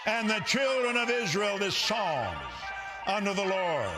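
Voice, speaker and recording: A man preaching in commanding, shouted declarations. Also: sits high, animated, unhurried, loud music behind the voice. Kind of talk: preaching remixed over a beat. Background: loud hip hop beat.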